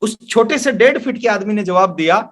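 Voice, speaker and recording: A man's voice: high-pitched, animated, brisk. A man gives a motivational sales training talk, speaking emphatically and repeating phrases for effect. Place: online webinar.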